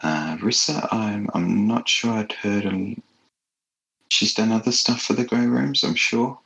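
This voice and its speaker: A man's voice: fairly low pitch, unhurried, gravelly, fairly bright tone, low-quality recording. A man chatting casually as an interview guest, reflective and appreciative, feeling his way through his thoughts. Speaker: writer, podcast guest.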